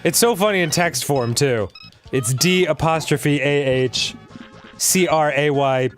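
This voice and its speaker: A man's voice: on the high side, unhurried, faint music behind. A man co-hosting a casual let's-play, talking in a laid-back, rambling way and laughing easily. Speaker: co-host.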